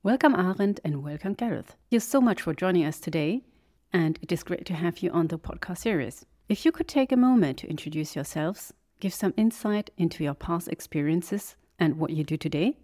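Polite, lower-voiced podcast co-host woman. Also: animated, a little fast, warm tone. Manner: polite, welcoming. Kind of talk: podcast hosting.

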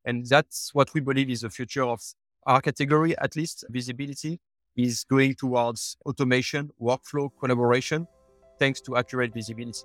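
A man pitching his startup's product in a podcast interview, slightly halting. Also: fairly even intonation, fairly bright tone, no echo, clean studio sound, soft background music. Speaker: startup guest. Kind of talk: business interview talk.

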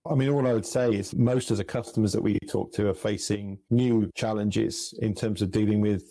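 Middle-aged businesslike podcast guest, low monotone voice, dark tone. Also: male voice, moderate pace, no echo. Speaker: guest, solution manager. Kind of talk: podcast interview answers.

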